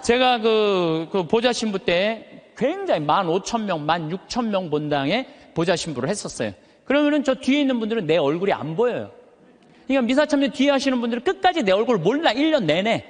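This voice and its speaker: High, full-voiced male priest in a reverberant hall. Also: big pitch swings, brisk. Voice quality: high but thick, full voice that carries. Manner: emphatic, uses rhetorical questions and stretched words for effect. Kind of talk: animated motivational sermon to a live audience. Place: large hall, speaking to an audience.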